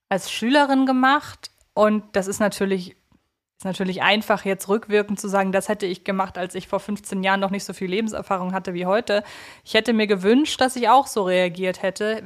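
A woman in her thirties talking as a podcast co-host, thinking aloud in long, winding, reflective sentences. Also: mid-range voice. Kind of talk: conversational podcast discussion.

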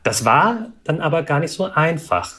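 A man in his thirties whose first language is Vietnamese, giving measured, analytical interview answers with some hesitations. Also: on the high side, sing-song, sharp tone. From Germany. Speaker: guest, alumnus.

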